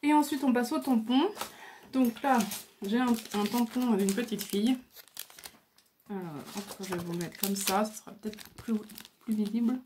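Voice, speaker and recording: A woman's voice: fairly high pitch, normal speed, long pauses, a little mellow, slight background noise. Chatty woman showing craft supplies. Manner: chatty, hesitant, many fillers. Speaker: crafting video host. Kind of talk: casual show-and-tell.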